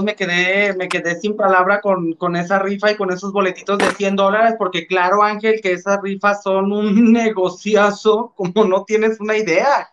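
A man co-hosts a celebrity gossip show over a video call and chats freely, laughing as he talks. His voice sits high for a man. The call sound is dull and muffled. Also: fairly bright tone.

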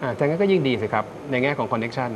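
On a live call-in astrology show, a male host reads fortunes, reassuring callers and going back over his main points. His medium-pitched voice is animated and very fast, with background noise in the recording.

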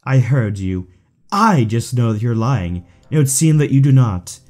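Suave, lilting, mocking villain. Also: male voice, mid-range voice, very animated, unhurried, darkish tone, soft background music. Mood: cruelly mocking. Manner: taunting, mock-affectionate, theatrical. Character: suave, mocking, theatrical villain toying with his rival. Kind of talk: fan audio drama acting.

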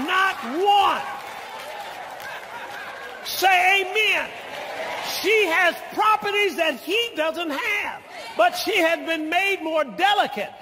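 An older man preaching a sermon as pastor, teaching slowly and deliberately, then building to shouted lines and calls for amen. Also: very high voice, noisy background. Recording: long hall reverb of a church.

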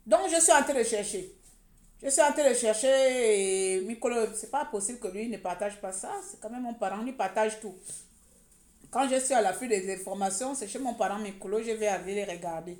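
A woman's voice: mid-range voice, brisk, darkish tone, echoey room. A woman from Gabon on a live social media broadcast, talking in a heated, mocking way and repeating words for effect. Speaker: online commentator.

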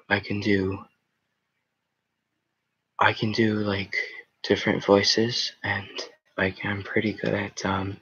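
A man's voice: fairly low pitch, bright, forceful tone, breathy edge. Chatty teenage boy on a lo-fi livestream. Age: teens. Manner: rambling, chatty, reacting to comments. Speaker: livestream host reading chat. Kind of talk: casual live chat. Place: small room with green backdrop. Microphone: headset.

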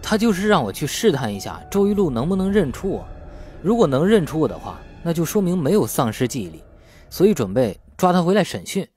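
A man plays a wily young male suspect in an audiobook. He is argumentative and slippery, feigning innocence with animated swings of pitch, over faint music. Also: brisk. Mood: evasive. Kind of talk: audiobook character dialogue.

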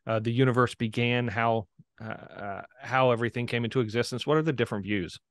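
A man's voice: mid-range voice, a little fast, no echo. A middle-aged man hosting an interview from a home room, chatty, prone to corny jokes and filler phrases. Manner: chatty, tells corny jokes, repeats "if you will". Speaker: host. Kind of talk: casual interview chat. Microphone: video call with a desk mic.

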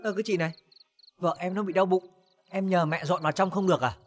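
An actor voicing an easygoing young husband who turns defensive and argumentative. His voice sits high for a man, and he talks fast. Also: fairly even intonation, lightly acted. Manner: argumentative, quick retorts. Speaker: son in a TV drama.

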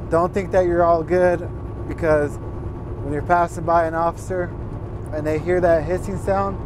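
A young man driving a truck, earnestly giving casual advice to viewers and calling them guys. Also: fairly high pitch. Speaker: truck driver giving tips. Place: inside a semi-truck cab while driving. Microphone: fixed dash camera. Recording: road noise in a moving truck cab. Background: road and engine noise.

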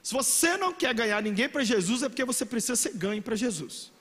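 A middle-aged man with a Minas Gerais Brazilian accent, preaching a lively youth sermon in a large church hall, animated and joking, often shouting for emphasis. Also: very high voice, fast. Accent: Brazilian Portuguese, Minas Gerais. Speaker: pastor. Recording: long hall reverb.

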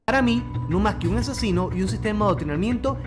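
A man's voice: high-pitched, animated, fast talker. A young man with a Cuban accent, narrating a scripted travel vlog outdoors to a phone held at arm's length, upbeat and chatty. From Cuba. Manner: upbeat, chatty presenting to camera. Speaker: travel vlogger. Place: outdoors in a village. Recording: video played on a stream, with music.

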